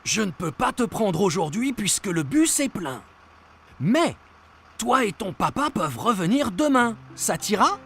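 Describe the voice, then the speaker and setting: Husky, jovial male bus driver. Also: mid-range voice, very animated, unhurried, a bit bright, heavily acted. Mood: friendly. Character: friendly adult male school bus driver. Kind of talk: children's cartoon dialogue.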